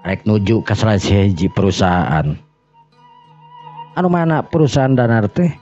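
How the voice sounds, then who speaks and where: A man from West Java with a Sundanese accent tells a story informally, halting often to repeat and correct his words. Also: fairly low pitch, lively intonation, darkish tone. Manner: halting, repetitive, self-correcting. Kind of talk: informal oral storytelling narration. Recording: dull lo-fi audio under music. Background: background music.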